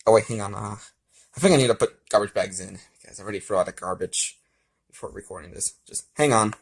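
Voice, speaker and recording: A man in a casual, halting vlog style, rambling and restarting as he hosts a fan fiction reading. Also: on the low side, vocal fry, husky.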